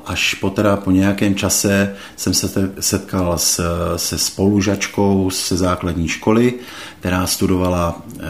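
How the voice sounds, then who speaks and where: Deep-voiced man giving slow testimony. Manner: slow, hesitant, thoughtful, many pauses and fillers. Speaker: interview guest. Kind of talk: reflective personal testimony.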